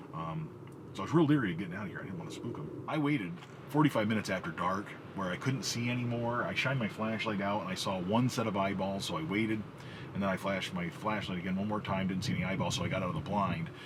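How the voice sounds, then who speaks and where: Amid noticeable background noise and audible room echo, a man with a fairly low pitch talks at a very fast pace with ordinary pitch variation. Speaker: hunting vlogger. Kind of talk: outdoor vlog narration. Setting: outdoors; hunting blind. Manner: loud.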